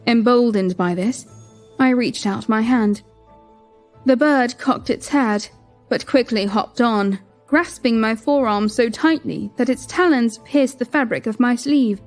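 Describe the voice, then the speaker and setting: A woman narrating a palace story in first person, gentle and wistful, over soft music. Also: a little high, a little slow. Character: queen narrating her own story.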